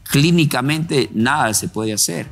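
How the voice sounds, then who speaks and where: A man's voice: medium pitch, animated, a little slow, creaky, faint music behind. A man hosting a Christian program, commenting on the testimony in a preacherly way and quoting scripture. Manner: preacherly, reflective, quotes scripture. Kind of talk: sermon-like interview commentary.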